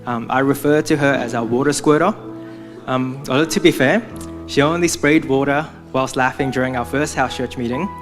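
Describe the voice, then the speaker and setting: A man's voice: medium pitch, moderate pace, music in the background. A young man from Hong Kong giving a prepared church testimony, speaking earnestly as if from notes.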